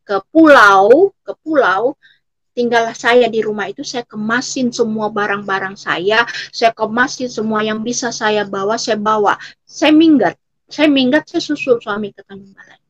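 A woman's voice: on the high side, normal speed. Middle-aged woman retelling her life story. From Riau, Indonesia. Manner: repeats phrases over and over while telling her story. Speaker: guest giving a personal testimony. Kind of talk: emotional personal testimony.

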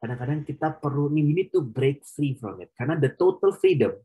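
A man's voice: fairly high pitch, expressive, fairly quick, mellow, rough recording. A man preaching conversationally at an online prayer meeting, slipping English phrases into his talk. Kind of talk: casual sermon.

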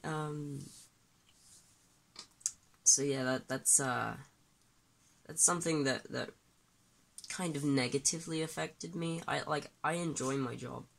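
Holding a phone at arm's length, a groggy trans man in his late teens vlogs candidly right after waking up in a small bedroom, then from a desk in a bedroom. His fairly high, fairly bright voice is creaky and slow, with long pauses. He rambles, full of fillers and restarts.

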